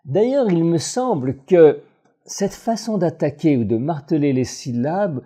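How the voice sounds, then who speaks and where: A man, a voice coach, reads a scripted voice-over analysis in a measured, analytical way. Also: fairly high pitch. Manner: measured, analytical, expressive phrasing.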